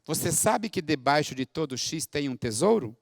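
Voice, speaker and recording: A man speaking as a self-assured four-year-old boy in an anecdote, in a soft, matter-of-fact tone. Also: fairly high pitch, expressive, normal speed, gravelly, no room sound, studio quality.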